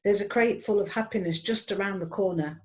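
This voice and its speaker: A woman's voice: mid-range voice, a little fast. A woman in her fifties reading her own punning poem aloud with a wry delivery, over an online call. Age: 50s. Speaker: poet. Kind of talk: poetry reading. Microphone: online video call.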